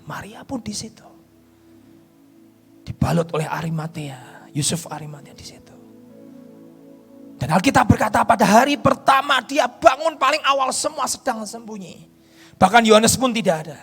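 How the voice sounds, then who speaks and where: A male pastor preaching a sermon in a church, dropping to hushed whispers and rising to shouted peaks, acting out the voices of figures he quotes. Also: high-pitched, gravelly. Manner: acts out quoted voices in dialogue. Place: church hall.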